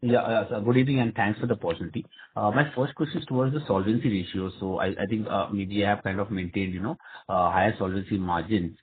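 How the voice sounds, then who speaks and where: A man's voice: lowish voice, fast talker, a little hiss or hum. A man with an Indian accent, an analyst, politely and hesitantly puts questions on a conference call. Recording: tinny phone-like line.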